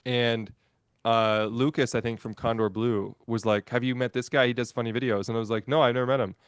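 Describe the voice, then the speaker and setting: A man's voice: mid-range voice, fairly even intonation, brisk, clear, resonant tone, no echo, clean studio sound. A man chatting casually on a live stream over a video call, telling a rambling story with many restarts. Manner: rambling, restarts and self-corrections.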